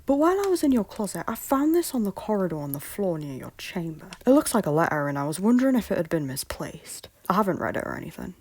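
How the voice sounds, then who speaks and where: Breathy, anxious young prince, played by a woman. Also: on the low side, big pitch swings, fast talker, few pauses. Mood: curious, teasing. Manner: earnest, swinging from hushed to urgent. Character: anxious, loyal young prince, protective of friends. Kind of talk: intimate audio drama acting.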